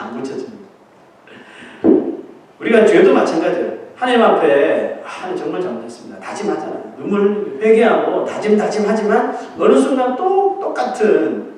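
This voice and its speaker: A male pastor preaching a sermon in a lively, conversational way, acting out quotes and laughing now and then, in a church. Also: high voice. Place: church sanctuary. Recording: echoey church hall, mic at a distance.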